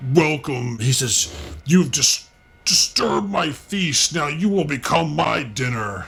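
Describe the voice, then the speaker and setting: A man bellows in a put-on character voice at medium pitch and a fairly slow pace. His pitch swings very widely. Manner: bellowing, menacing.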